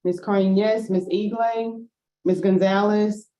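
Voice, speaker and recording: A woman calls the roll for a council vote, slowly and evenly. She names each member, then repeats the name with the vote. Her tone is mellow and soft-edged. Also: mid-range voice, fairly even intonation, rough recording. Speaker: council staff calling the roll.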